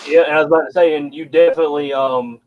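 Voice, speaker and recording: A man's voice: a little high, steady tone, rapid-fire. A man with a Southern accent from upstate South Carolina, telling stories in easygoing casual chat. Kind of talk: casual storytelling. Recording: dull lo-fi sound.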